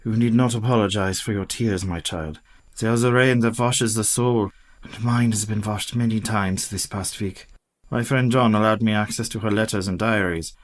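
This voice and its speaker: An actor in a radio play playing a learned, gentle and grave elderly professor who speaks in a formal, measured way. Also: male voice, on the low side, fairly even intonation, lightly acted. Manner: formal, courtly, measured speech.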